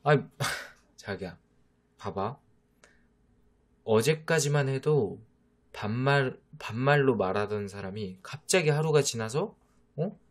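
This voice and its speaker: A man's voice: medium pitch, lively intonation, takes it slowly, long pauses. A man voicing a teasing boyfriend who coaxes and mock-scolds his jealous younger girlfriend, in a whispered role-play. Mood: playful scolding. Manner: teasing, coaxing, mock-exasperated. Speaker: voice actor.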